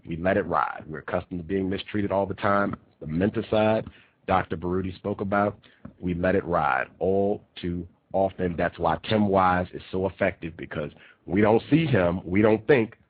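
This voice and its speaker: A man's voice: low voice, normal speed, slightly rough, no echo. A man hosting a talk radio show, congested and nasal from a cold, delivering an emphatic monologue and repeating key phrases. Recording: tinny phone-line quality.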